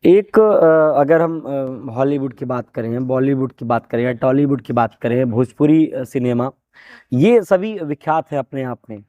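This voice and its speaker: A man's voice: medium pitch, warm tone, dry recording, muffled recording. A man hosting an interview, asking long formal questions with many hesitations, with a Bagheli-region Hindi accent. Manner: halting, many fillers, formal wording. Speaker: interviewer, host.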